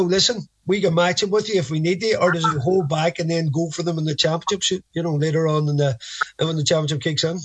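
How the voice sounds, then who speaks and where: A man with a Donegal accent presents sports talk in a fairly high voice. His delivery is conversational, as a host leading a discussion. The recording is dry and free of room sound. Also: no room sound. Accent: Donegal Irish.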